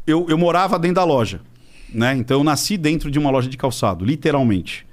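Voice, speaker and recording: Talking fast in a slightly high voice, a man appearing as an interview guest tells a story over casual chat. He performs the quoted voices with animation and swears freely throughout.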